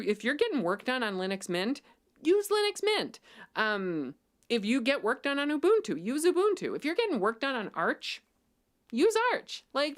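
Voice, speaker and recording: Smooth-voiced woman chatting on a livestream. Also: on the high side. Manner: chatty, frequent ums, gets emphatic. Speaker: livestream host. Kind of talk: casual livestream chat.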